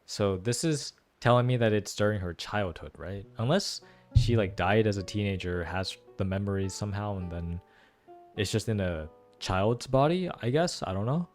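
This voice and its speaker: An animated male voice with lively swings in pitch gives reaction commentary on a game. He muses aloud and exclaims, with faint game music behind him. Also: normal speed. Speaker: gaming content creator.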